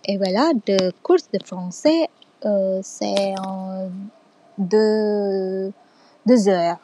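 A woman's voice: medium pitch, drawn-out words, warm tone, a little hiss or hum. A young woman who is not a native French speaker, recording a class podcast as a student in a hesitant, casual monologue full of fillers and restarts.

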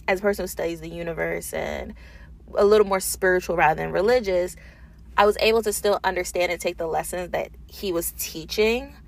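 Low, creaky-voiced woman podcasting casually. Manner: informal, thinking aloud. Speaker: podcast host. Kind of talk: casual solo podcast talk, unedited. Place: small booth in an office.

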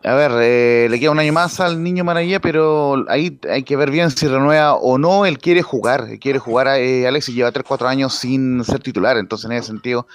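A man's voice: mid-range voice, fairly quick, few pauses, smooth, no echo. A man with a Chilean accent hosting a sports radio panel, talking casually with lots of fillers and restarts. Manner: hesitant, many fillers and restarts.

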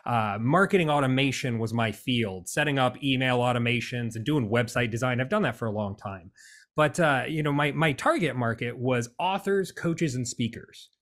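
A man's voice: mid-range voice, normal speed, a bit bright. An American man chatting as a podcast guest, cheerful and talkative, laughing easily. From United States. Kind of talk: casual interview chat.

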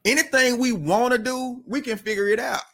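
A man with a fairly high voice co-hosts a relaxed talk show. He reads out comments in a conversational tone and pushes people to answer his questions. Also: brisk. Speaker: podcast co-host. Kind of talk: casual chat, reading viewer comments.

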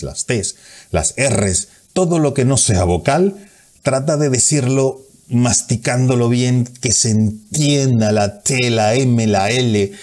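A man with a fairly low, mellow voice gives communication tips straight to camera. He talks with energy, acting out examples and crisply stressing his consonants. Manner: energetic, acts out examples with hands; stresses consonants, slows down to demonstrate. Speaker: communication coach.

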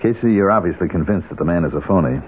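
An actor playing an affable, well-meaning young fiancé in a 1970s radio drama. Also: male voice, sits low, lively intonation, quick pace, a little hiss or hum. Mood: curious, amused. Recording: muffled phone-like 1970s radio recording.

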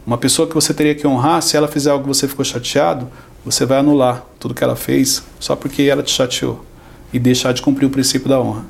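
A man's voice: mid-range voice, little pitch movement, fast talker, creaky. A Brazilian man on a podcast, teaching in a conversational way, explaining with everyday examples and acting out quotes. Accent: Brazilian Portuguese. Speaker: podcast guest.

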